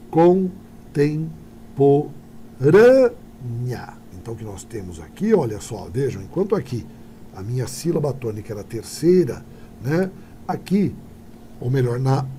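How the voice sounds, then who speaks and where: A Brazilian man teaching Portuguese in an exam-prep video lesson, talking straight to his viewers and checking in with quick tag questions. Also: medium pitch, warm tone, slight background noise.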